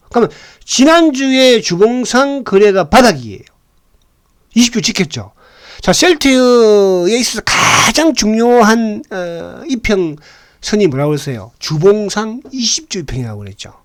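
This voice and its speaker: A man with a fairly high, sing-song voice comments casually on stocks at normal speed, his pitch leaping up and down. Blunt slang peppers his talk, and he keeps asking viewers to agree.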